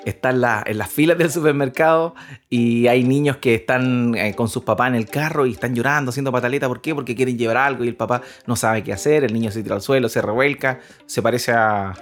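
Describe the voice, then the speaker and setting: A man co-hosting a Christian parenting podcast, talking earnestly and rambling with many restarts and repeated words. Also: medium pitch. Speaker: podcast co-host.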